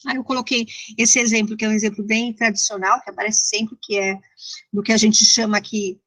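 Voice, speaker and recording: A woman's voice: medium pitch, flat delivery, brisk, fairly bright tone, rough recording. A Brazilian woman with a São Paulo accent giving an informal, interactive lecture in a didactic, conversational way that checks in with listeners. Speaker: university lecturer.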